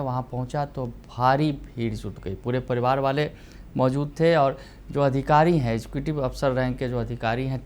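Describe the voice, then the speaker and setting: A man presenting a news report as anchor, in a brisk, emphatic delivery. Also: fairly high pitch.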